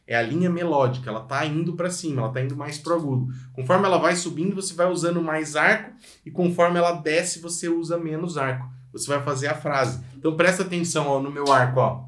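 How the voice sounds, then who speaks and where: A lively Brazilian man teaching violin online, speaking directly to his student. His voice sits a little high for a man, and the room around him rings with echo. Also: fast, hardly any pauses. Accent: Brazilian Portuguese. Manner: energetic, addresses viewer directly, sings phrases to demonstrate. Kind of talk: online music lesson.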